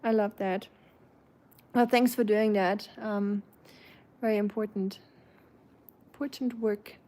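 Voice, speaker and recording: A woman from Germany's Black Forest with a German accent, chatting casually with viewers on a livestream, warm and chatty with fillers and soft laughs, her voice trailing quietly at phrase ends. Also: mid-range voice, steady tone, slow. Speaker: livestream host. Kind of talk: casual chat, reading viewer comments aloud.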